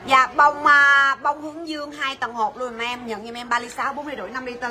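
A woman selling jewelry on a livestream, calling out prices in rapid, coaxing sales patter. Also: high voice, little pitch movement. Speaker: jewelry shop livestream seller.

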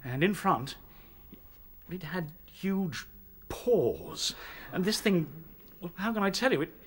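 A man playing a battle-worn rabbit captain in a radio drama, halting as he recounts horrors. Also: sits high, animated, fairly bright tone, slight background noise, full character voice. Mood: shaken, halting. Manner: halting, searching for words.

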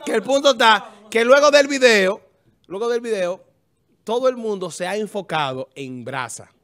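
A man hosting a casual gossip chat, animated and stammering. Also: sits high, moderate pace.

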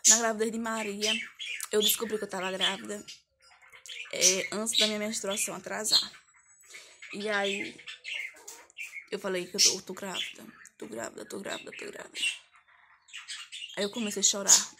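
A woman's voice: mid-range voice, heavy background noise. A woman, telling a personal story to camera in a chatty, emotional way, often repeating herself. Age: 20s. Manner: chatty, repetitive, emotional retelling. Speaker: vlogger. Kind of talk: casual confessional storytime. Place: her mother's house, indoors.

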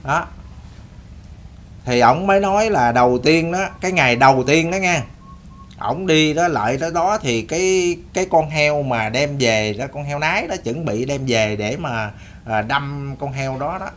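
A man's voice: fairly high pitch, lively intonation, normal speed, a bit bright, a little hiss or hum. Folksy Southern Vietnamese man storyteller. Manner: rambling, repetitive folksy telling with many restarts. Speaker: storyteller host. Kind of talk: casual spoken storytelling to an audience.

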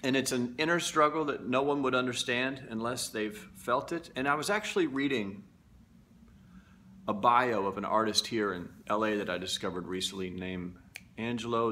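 A man's voice: lowish voice, bright, forceful tone, slight background noise. A man talking casually and candidly to his viewers, reflective and confessional. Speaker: vlogger. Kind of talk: casual talk to camera.

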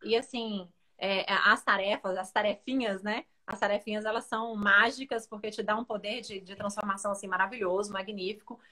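A woman's voice: mid-range voice, steady tone, fairly quick, hardly any pauses, pushed and bright. A woman co-hosting, reading out viewer comments and enthusiastically praising the course, sometimes searching for words.

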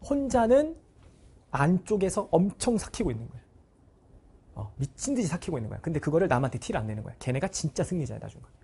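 A man's voice: on the high side, big pitch swings, quick pace, warm tone, breathy edge. A male cram school teacher giving a blunt, casual motivational talk to his students. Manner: acts out students' voices in short bursts.

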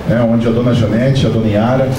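A man's voice: medium pitch, steady tone, quick pace. A middle-aged man, from Rio Grande do Sul, giving an effusive formal speech to a meeting with a handheld mic. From Rio Grande do Sul, Brazil. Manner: effusive, ceremonious thanks. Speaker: council member addressing a meeting. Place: conference room, indoors. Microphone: handheld mic, far camera. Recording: echoey room from far off, with room noise.

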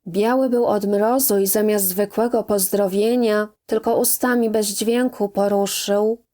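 A woman reading a classic novel aloud as an audiobook narrator, in a measured, even manner. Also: medium pitch. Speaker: audiobook reader.

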